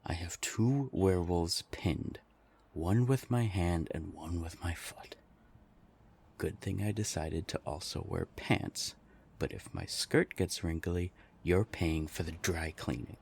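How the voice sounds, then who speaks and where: A man playing a haughty centuries-old vampire in an audio drama, husky and gravelly, with a condescending, taunting, theatrical manner. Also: deep voice, slow pace, darkish tone, heavily acted. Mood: smug menace.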